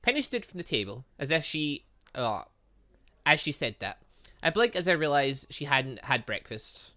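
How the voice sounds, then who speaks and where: A man's voice: a little high, sing-song, moderate pace, pushed and bright. A young man doing casual let's play commentary, rambling and mildly sweary, stumbling as he reads game text aloud. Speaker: gaming channel host.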